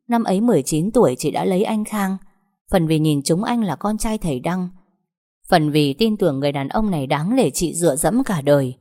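Brief: female narrator, low warm voice, steady dramatic storytelling.

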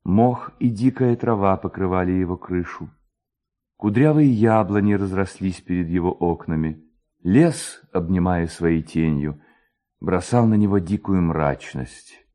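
A man reading classic prose as a narrator, in an expressive, lyrical and measured storytelling manner. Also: low-pitched. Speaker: literary narrator.

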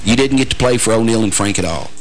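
Joking middle-aged radio host. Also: male voice, fairly low pitch, a little hiss or hum, poor audio. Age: 40s. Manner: joking, teasing, halting restarts. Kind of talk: casual interview chat.

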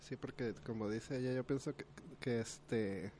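A man's voice: mid-range voice, unhurried, very noisy. A man, co-hosting a casual radio talk show, easygoing and joking.

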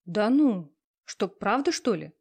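A woman voicing a pushy, talkative young female friend who teases and lectures loudly. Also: mid-range voice, sing-song, takes it slowly, gravelly, breathy edge, exaggerated voice. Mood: bossy. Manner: loud, teasing, talkative.

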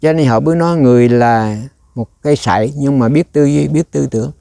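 Gravelly-voiced monk, warm and dry. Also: male voice, medium pitch, fairly quick, no echo. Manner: rambling, conversational, quizzes listeners. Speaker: Buddhist monk teacher. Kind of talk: dharma talk.

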